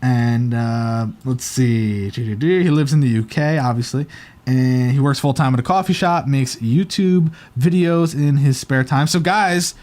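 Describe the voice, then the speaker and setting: A man's voice: mid-range voice, unhurried, a little mellow. Chatty man with a slight lisp. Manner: chatty, hesitant, lots of ums. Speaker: show host. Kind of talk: casual chat reviewing setups.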